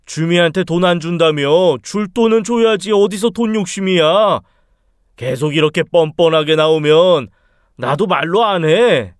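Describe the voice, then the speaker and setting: A man's voice: fairly high pitch, expressive, measured pace, dry recording. Man playing a young thug, sneering, bullying, threatening, storybook reading, dry close sound. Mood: menacing. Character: menacing young thug man, crude extortionist.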